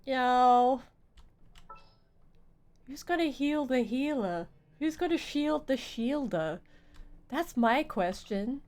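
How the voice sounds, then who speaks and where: A woman's voice: sits high, animated, slow, long pauses, darkish tone. A woman chatting casually on a gaming livestream, playful and often repeating her phrases. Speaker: game streamer.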